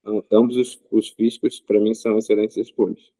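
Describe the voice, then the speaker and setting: A man, an interview guest speaking in a measured way with frequent pauses and filler sounds. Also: fairly low pitch, level tone, warm tone, dry recording. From Rio de Janeiro state, Brazil. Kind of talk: casual interview answers.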